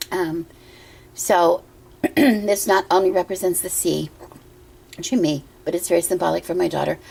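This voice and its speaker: A hoarse middle-aged woman talks to her own camera in a room at home, her voice husky and full of gravelly fry. She speaks gently and wanders from point to point, filling pauses with ums as she shows her things. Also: fairly low pitch, poor audio. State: hoarse from a cough. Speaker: pagan altar vlogger. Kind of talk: casual show-and-tell vlog. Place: indoor room at home with a water feature. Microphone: camera she handles herself.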